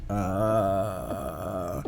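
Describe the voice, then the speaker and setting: A man's voice: low-pitched, fairly even intonation, drawn-out words, gravelly, a little mellow. A man livestreaming a game with casual, jokey commentary, reading bits of dialogue aloud. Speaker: streamer.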